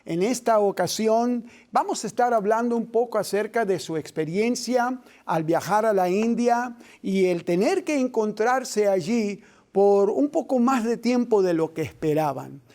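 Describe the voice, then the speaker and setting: A man's voice: high voice, expressive, measured pace. A man hosting a Christian interview program, reading scripture earnestly and then questioning his guests. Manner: reads scripture aloud, then asks questions warmly and earnestly. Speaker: host.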